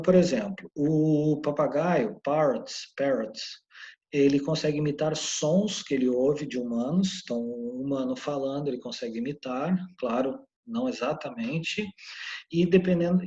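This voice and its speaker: A male teacher walks his students through an English lesson. He explains step by step and keeps checking in with them. His voice is mellow and dark, and the recording sounds muffled and lo-fi. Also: on the high side.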